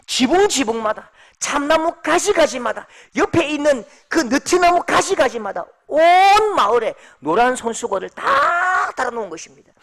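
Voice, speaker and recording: A male pastor preaching a sermon dramatically, swinging from shouts to hushed tones and acting out scenes. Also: very high voice.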